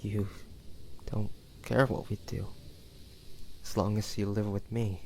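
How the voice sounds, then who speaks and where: A man playing a tender, devoted hunter turned immortal in an intimate audio roleplay, speaking haltingly and emotionally to a lover. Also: lowish voice, little pitch movement, warm tone, slight background noise. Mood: tender, earnest. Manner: halting, emotional, breathy sighs and whispers.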